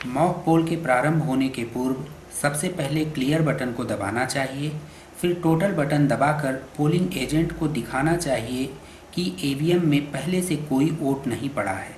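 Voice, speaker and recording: A man reading scripted instructional narration for a training film in a formal, measured, instructive way. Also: medium pitch, a little mellow, rough recording. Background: background music.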